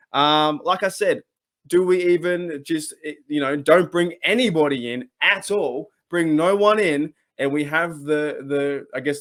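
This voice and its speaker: Rambling Australian man, higher voice. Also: fairly bright tone. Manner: rambling, with many restarts and fillers. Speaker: sports channel host. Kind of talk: casual solo commentary.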